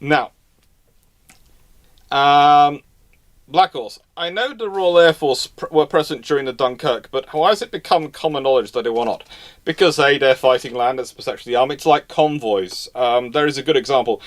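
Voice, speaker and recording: Answering questions from his audience, a man runs a live question-and-answer session that doubles as a casual history talk. He speaks at a normal speed with a medium pitch, informal and knowledgeable, frequently restarting and repeating phrases.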